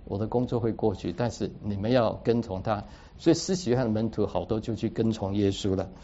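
A man's voice: on the low side, fairly quick, warm tone, slight background noise. A man preaching a sermon, teaching through a Bible passage in an explanatory way and dropping English words into his speech. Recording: dull lo-fi recording.

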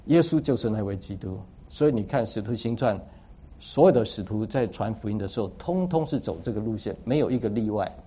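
Husky-voiced man preaching. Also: fairly low pitch, animated, brisk, mellow. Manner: explanatory, drops English words into speech. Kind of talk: sermon, Bible teaching. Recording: dull lo-fi recording.

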